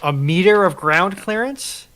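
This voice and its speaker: A man's voice: high-pitched, expressive, unhurried, fairly bright tone. A man in a casual military history discussion, explaining things in an insistent way.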